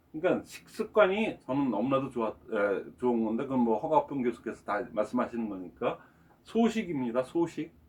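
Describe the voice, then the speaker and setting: Speaking at a medium pitch, a man lets his voice swing very widely up and down. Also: moderate pace. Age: 60s. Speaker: network marketing business leader. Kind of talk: lecture. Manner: conversational, with fillers.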